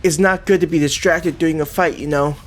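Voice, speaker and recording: A man voicing a calm young male fighter who talks in a steady, even way. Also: fairly high pitch, brisk, close to an everyday voice. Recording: music playing underneath.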